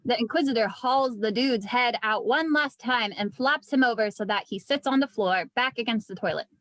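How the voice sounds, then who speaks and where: Woman narrator, high voice, dry sound, reading screenplay action aloud. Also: moderate pace, fairly bright tone, dry recording. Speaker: narrator reading stage directions. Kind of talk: scripted narration, table read. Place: indoors, remote online read.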